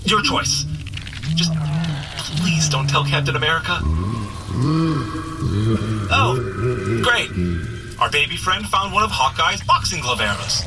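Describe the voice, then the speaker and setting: A man's voice: a little high, expressive, unhurried, long pauses, heavy background noise. A man playing a bumbling, good-hearted superhero in a comedy audio drama, coaching the listener with nervous, apologetic, rambling chatter. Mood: urgent, apologetic, then alarmed. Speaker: actor playing a superhero guide.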